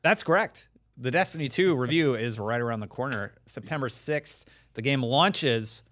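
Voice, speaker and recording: Man, average pitch, casual panel chat, podcast panelist. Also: expressive, normal speed, fairly bright tone.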